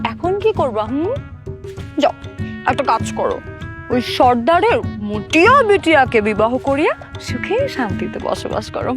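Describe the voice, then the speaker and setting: Rich: A woman doing a gloating young woman who taunts in a high, sing-song voice. Her pitch swings widely as she mocks, and music plays underneath.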